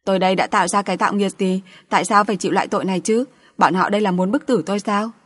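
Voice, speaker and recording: A woman's voice: mid-range voice, steady tone, racing, slightly rough, lightly acted. Woman voicing a bitter, ranting, desperate wife. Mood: wailing. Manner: ranting, accusing, wailing. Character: bitter, shrill, desperate middle-aged wife and mother.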